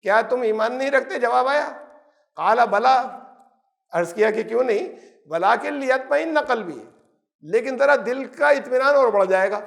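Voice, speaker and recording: A man's voice: extremely high pitch, gravelly. An older man giving a Quran lesson, quoting Arabic verses, translating them and asking rhetorical questions, with English words mixed in. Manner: mixes English words into his talk. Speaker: Quran teacher.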